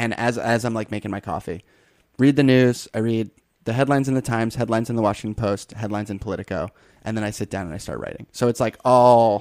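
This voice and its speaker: Speaking at a very fast pace with fairly even intonation, a man with an American accent and medium pitch is captured on a very clean recording with a silent background and a dry, close sound with no echo. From New York, Westchester. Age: 20s. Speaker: comedy writer. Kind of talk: casual chat.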